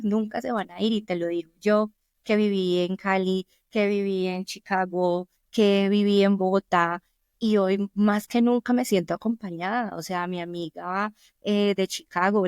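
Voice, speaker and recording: Colombian-accented woman, middle-aged, guest in an interview, earnest storytelling, dry close sound, mid pitch. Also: darkish tone, smooth, no echo. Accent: Colombian Spanish. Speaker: podcast guest. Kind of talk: conversational interview.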